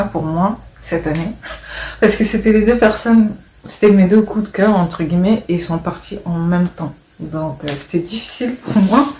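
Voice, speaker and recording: A woman chatting casually to camera, rambling and hesitant, often trailing off softly. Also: lowish voice, reverberant. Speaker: vlogger.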